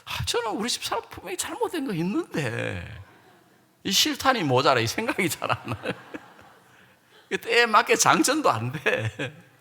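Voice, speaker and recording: A man's voice: a little high, vocal fry, sharp tone, husky. A middle-aged man preaching a sermon as a pastor, telling stories animatedly and acting out quarrels. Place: large church or camp hall. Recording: reverberant hall.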